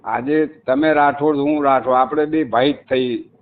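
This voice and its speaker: A man calls in and presses his point again and again, insistent and emphatic. His voice sits at an ordinary middle pitch. It comes through a thin, tinny phone line. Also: fairly even intonation, unhurried, a little hiss or hum. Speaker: caller. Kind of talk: phone call. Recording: tinny phone call recording.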